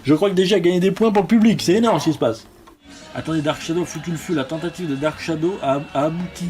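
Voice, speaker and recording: A man giving excitable, mock-dramatic commentary on a game livestream. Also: a little high, fast talker, music in the background.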